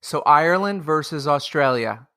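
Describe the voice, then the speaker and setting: A man's voice: fairly high pitch, normal speed, smooth. Playful male podcast host. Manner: playful, jokey, animated. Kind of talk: upbeat podcast hosting.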